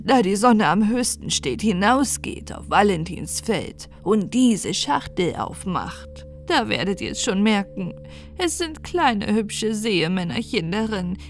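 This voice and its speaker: A woman voicing a scheming old witch who coaxes and coos in a sing-song way, with soft music behind. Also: vocal fry, exaggerated voice. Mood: gleeful. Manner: coaxing, sing-song cooing, high and loud. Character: scheming old female witch, sly and wheedling.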